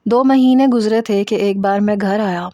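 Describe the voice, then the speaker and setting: A woman's voice: medium pitch, mellow, no room sound, muffled recording. Woman storyteller with a dry close voice. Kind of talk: first-person story narration.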